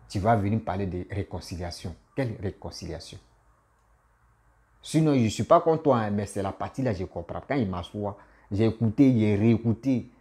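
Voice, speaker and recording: Male comedian-vlogger, deep warm voice, animated and repetitive. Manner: animated, repetitive, laughs at himself. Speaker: comedian and YouTuber. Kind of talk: casual political commentary vlog.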